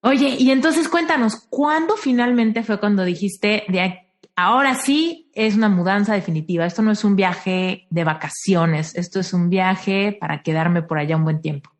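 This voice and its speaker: A woman's voice: mid-range voice, moderate pace. Reflective female podcast host. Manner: reflective, affirming, asks questions. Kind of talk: interview podcast.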